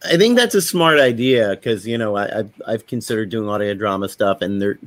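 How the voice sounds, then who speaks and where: A man's voice: lowish voice, lively intonation, brisk, no room sound. A man co-hosting a podcast in casual, conversational chat. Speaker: podcast co-host.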